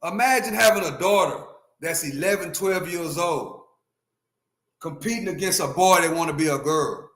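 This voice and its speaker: A man's voice: a little high, normal speed, a bit bright, reverberant, poor audio. A man in his fifties ranting emphatically on a livestream, repeating his points and talking straight to his chat. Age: 50s. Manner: emphatic, repetitive, talks to chat. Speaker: livestream host. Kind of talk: opinionated livestream rant.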